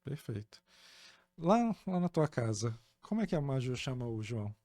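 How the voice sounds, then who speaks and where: A relaxed Brazilian-accented man co-hosts the chat, mid-pitched and easygoing, nudging the talk along with questions and short affirmations. The sound is close and dry. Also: no room sound. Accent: Brazilian Portuguese. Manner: easygoing, asks questions, quick backchannels. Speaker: co-host and podcast producer. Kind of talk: casual podcast conversation.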